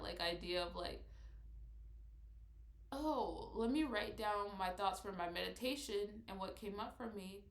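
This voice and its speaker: A woman with a stuffed-up, nasal voice chats in a loose, rambling way, full of restarts and filler words. Her voice has a middling pitch. The room around her is noticeably echoey. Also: a bit bright. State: congested, nasal. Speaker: vlogger. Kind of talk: casual spiritual vlog talk.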